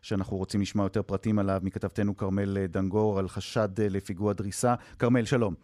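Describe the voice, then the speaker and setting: A man's voice: on the low side, little pitch movement, a little mellow, no echo, clean studio sound. A man hosting a radio news program, asking probing questions and linking to reporters with frequent hesitations. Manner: probing, many hesitation fillers. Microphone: studio microphone.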